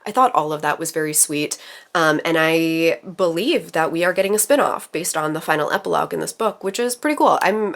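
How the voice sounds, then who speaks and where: A woman book vlogger chatting casually about her reading, a little raspy and rambling with fillers. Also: low-pitched. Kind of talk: casual chat.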